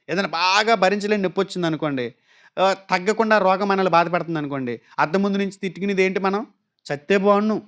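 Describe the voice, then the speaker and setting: High-voiced man preaching. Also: a bit bright. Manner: rhetorical questions to the congregation; acts out quoted voices and anecdotes. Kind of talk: sermon.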